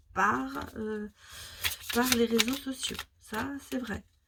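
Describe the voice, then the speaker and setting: A woman speaks at a very slow pace with ordinary pitch variation. Noticeable background noise is present. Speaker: tarot card reader. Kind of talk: tarot reading video. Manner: hesitant, many fillers.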